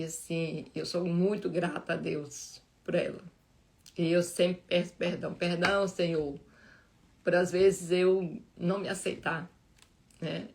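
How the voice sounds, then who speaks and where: Female host, lowish fry-edged voice, informal heartfelt Bible talk full of restarts. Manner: heartfelt, halting, many restarts and fillers. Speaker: Bible study live host.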